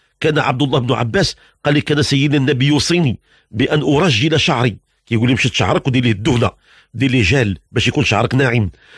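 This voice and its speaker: A man at medium pitch with a Moroccan accent, somewhat breathy, with very even loudness, ordinary pitch variation and a fairly quick pace, in a dry, close sound with no echo. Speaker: religious radio host answering callers. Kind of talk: religious call-in advice show.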